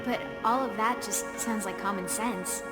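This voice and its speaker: A woman's voice: medium pitch, unhurried, over loud music, lightly acted, rough recording. A woman playing a sardonic, haughty seventeen-year-old girl operative in a radio drama, dry and scornful. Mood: skeptical. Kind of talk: radio drama acting with inner narration.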